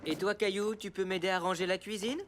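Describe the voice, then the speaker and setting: A man's voice: sits high, fairly even intonation, brisk, close to an everyday voice. A man voicing a jovial, playful father in a French children's cartoon. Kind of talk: dubbed children's cartoon acting. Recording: loud music behind the voice.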